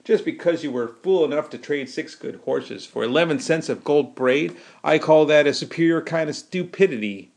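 A man's voice: fairly high pitch, normal speed, creaky, hardly any pauses, darkish tone. A man voicing a cheeky, glib young American soldier in an audiobook, with folksy slang and a wheedling way of talking. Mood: mocking.

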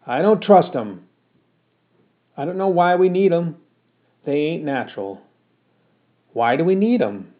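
A man's voice: fairly high pitch, animated, measured pace, long pauses, pitched above the performer's own voice. A man voicing a blunt, scolding older country mother who talks in rustic dialect. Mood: stubborn. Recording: tinny phone-like sound.

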